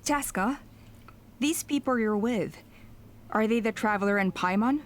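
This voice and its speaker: A woman's voice: a little high, faint music behind, close to an everyday voice. Formal, dignified female tribal elder acted by a woman. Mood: composed. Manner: formal, measured. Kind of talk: video game voice acting.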